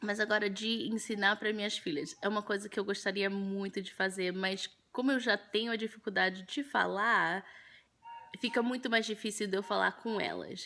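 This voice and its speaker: Bright, sharp tone at a moderate pace with ordinary pitch variation. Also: woman, very clean recording, silent background. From United States. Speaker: vlogger, mother. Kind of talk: casual vlog talk. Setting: at home. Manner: halting.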